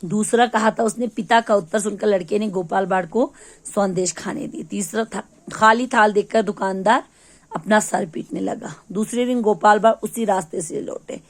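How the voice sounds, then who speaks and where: A woman's voice: mid-range voice, steady tone, moderate pace. A woman teacher from Ladakh in India, patiently going through a lesson's answers step by step for young pupils. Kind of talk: classroom lesson explanation.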